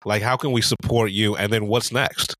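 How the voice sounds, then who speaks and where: A man's voice: fairly low pitch, fairly even intonation, fairly bright tone. A man co-hosting a podcast who asks questions in casual chat and agrees briefly and often. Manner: friendly, quick back-channel agreement. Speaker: podcast co-host.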